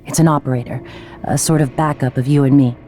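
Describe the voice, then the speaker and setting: An actor playing a scientist who calmly leaves a recorded message explaining things to himself, in a video game. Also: male voice, mid-range voice, fast, a little hiss or hum, close to an everyday voice. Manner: calm, confiding, matter-of-fact. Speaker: game character. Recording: game audio with faint music.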